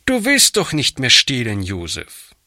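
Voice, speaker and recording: A man's voice: medium pitch, huge pitch swings, a little slow, sharp tone, no room sound, clean studio sound, exaggerated voice. A man reading a storybook aloud, voicing an earnest, pious little girl who pleads eagerly. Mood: pleading, eager. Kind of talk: audiobook reading.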